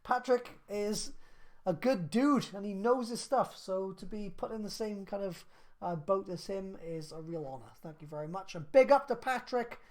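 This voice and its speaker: A man's voice: high-pitched, moderate pace. Laid-back man answering viewer questions. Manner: laid-back and chatty, lots of fillers. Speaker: craft business live streamer. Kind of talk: live stream Q&A, reading viewer questions.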